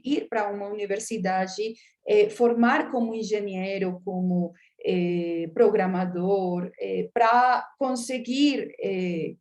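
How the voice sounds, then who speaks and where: With a medium-pitched, darkish voice, a woman lectures from slides as an academic. She hesitates often and leans on filler sounds while she gropes for words.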